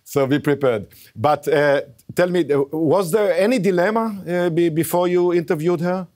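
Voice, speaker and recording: A middle-aged man with a Palestinian accent hosting a TV interview from a studio, halting with many fillers. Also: on the high side, a little mellow. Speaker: TV host.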